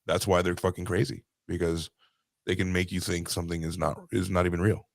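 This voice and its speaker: A man's voice: deep voice, level tone, a little fast, creaky, no room sound. Brief: male co-host from Cuba, loose, jokey, swears freely, dead dry mic. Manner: swearing, joking. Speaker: podcast co-host. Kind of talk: casual podcast chat.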